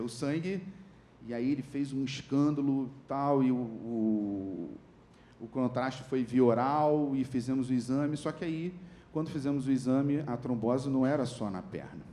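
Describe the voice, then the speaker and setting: A young Brazilian man with a Brazilian Portuguese accent gives a sermon testimony in a church, telling a story and acting out its dialogue with a rising voice. His voice is medium-pitched and mellow at a normal speed. The echoey church hall carries faint ambience and a little hiss or hum.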